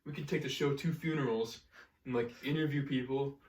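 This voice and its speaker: A young man co-hosting a casual podcast, cracking jokes and laughing easily. His voice sits at an average pitch. The sound is roomy and echoey, picked up from some distance away. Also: steady tone, fairly quick, darkish tone. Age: young adult. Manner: joking, laughs often. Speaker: podcast co-host. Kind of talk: casual chat. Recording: echoey room, mic at a distance.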